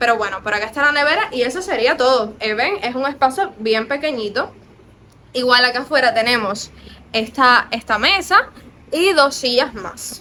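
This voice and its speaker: A woman with a Cuban accent speaks at a moderate pace in a high pitch. Her intonation is lively. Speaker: YouTuber. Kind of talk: casual vlog talk to camera.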